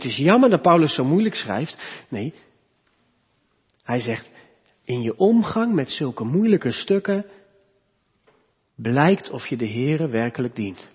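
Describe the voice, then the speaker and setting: A man preaching a sermon as pastor, with emphatic delivery that rises and grows louder on key points, recorded in a church. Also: mid-range voice, breathy edge, big-room sound, highs cut off.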